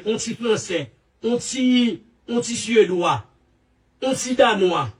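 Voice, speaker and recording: A man giving a rambling, halting statement with many repeats and restarts, heard from a played clip. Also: sits high, recorded from a distance. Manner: repetitive, halting, restarts often.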